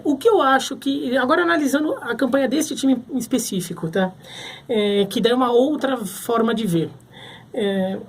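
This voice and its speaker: A man from Brazil giving casual sports commentary to camera, thinking aloud with frequent restarts. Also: high voice.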